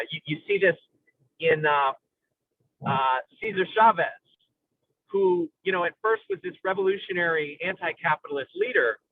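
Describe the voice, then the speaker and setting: A man in an analytical, conversational film discussion, speaking in an intellectual, halting way with academic vocabulary as he searches for words. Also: fairly high pitch, a little hiss or hum. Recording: tinny phone-like radio-style sound.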